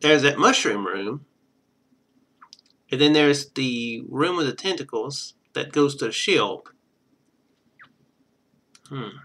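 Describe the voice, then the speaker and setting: A man doing casual game stream commentary, thinking out loud and reading text from the screen. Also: medium pitch, takes it slowly, long pauses. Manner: thinks out loud, muttering to himself.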